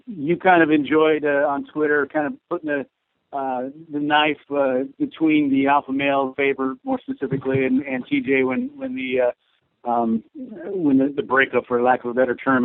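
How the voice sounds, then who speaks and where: A man's voice: on the high side, gravelly. A man working as a sports reporter, asking wordy, hesitant questions on a media conference call. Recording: tinny phone conference line.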